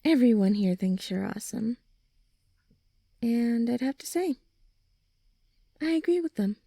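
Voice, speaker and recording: A young woman playing a supportive, gently reassuring friend in an ASMR comfort roleplay, speaking softly and soothingly. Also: fairly high pitch, expressive, a little slow, no room sound, heavily acted. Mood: warm, affectionate. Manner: soft, soothing, encouraging, breathy sighs and chuckles.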